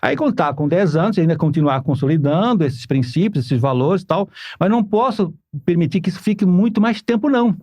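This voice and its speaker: A man's voice: sits high, expressive, a little fast, hardly any pauses, darkish tone, no echo. A man from Portugal, a podcast guest, explaining Catholic parenting earnestly and repeating his points for emphasis. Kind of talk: podcast conversation.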